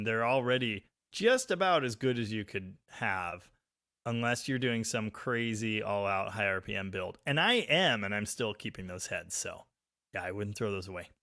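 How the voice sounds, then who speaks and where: A man hosting a live stream, chatting casually and reading viewer comments, with a very loud voice recorded on a phone. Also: fairly low pitch, vocal fry, dry recording, clean studio sound. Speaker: livestream host reading chat. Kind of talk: casual live chat about cars. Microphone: phone microphone.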